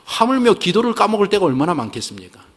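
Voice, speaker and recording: A man preaching a sermon as pastor, asking rhetorical questions and leading the congregation to repeat prayers, shifting between soft and emphatic delivery. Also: high-pitched, big pitch swings, quick pace. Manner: preaching with call-and-response prompts to the congregation.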